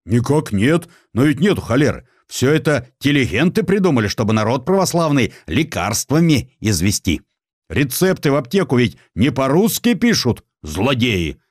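A man's voice: medium pitch, big pitch swings, moderate pace, darkish tone, dry recording, studio quality, voice pushed up. A man voicing an ignorant, suspicious rich merchant in an audiobook, whining in indignant protest. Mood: defensive, indignant.

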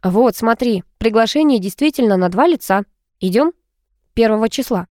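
A woman's voice: a little high, lively intonation, moderate pace, warm tone, dry recording, pitched above the performer's own voice, close to an everyday voice. Curious, eager young student girl, read by a woman, dry close read. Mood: friendly. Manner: eager, questioning.

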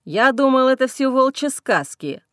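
A woman's voice: on the high side, very animated, unhurried, no echo, clean studio sound. A woman reading an audiobook voices a stern, black-haired male werewolf pack leader who growls his commands. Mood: grumbling.

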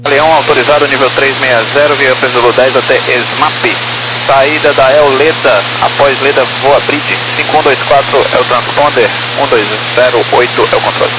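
A man's voice: medium pitch, steady tone, moderate pace. A man with a Brazilian accent speaking as a pilot over the aircraft radio, giving clipped calls and readbacks. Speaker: airline pilot. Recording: noisy aviation radio transmission.

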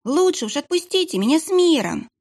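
A woman's voice: high voice, big pitch swings, brisk, darkish tone, voice pushed up. A woman voicing a frightened young kitchen boy who whines and whimpers. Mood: frightened pleading. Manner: squealing, whining, tearful.

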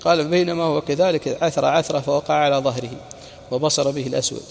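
A man's voice: a little high, steady tone, fast talker, creaky, a little mellow, long reverb tail. A man preacher narrating a religious history lesson, recounting reports and quoted sayings with brief explaining asides.

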